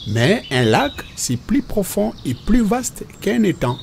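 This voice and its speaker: A man playing a patient father in a Christian children's cartoon, explaining things step by step in a husky voice. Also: high voice, very animated, takes it slowly, slight background noise, exaggerated voice. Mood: patient, instructive. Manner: didactic, explains definitions step by step.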